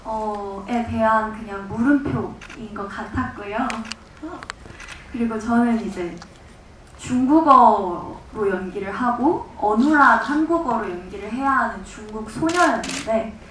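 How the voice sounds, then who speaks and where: A woman actress answering questions at a press conference in a reflective, soft-spoken way. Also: fairly high pitch, a little slow, slight background noise. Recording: echoey hall from far off.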